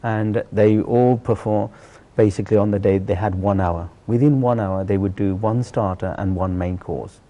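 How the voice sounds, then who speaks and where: Middle aged guy from bangladesh chatting in an interview, lowish soft-edged voice, earnest, repeats himself for emphasis. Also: steady tone, moderate pace, hardly any pauses. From Sylhet, Bangladesh. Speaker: interview guest, celebrity chef. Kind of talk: conversational personal storytelling in an interview.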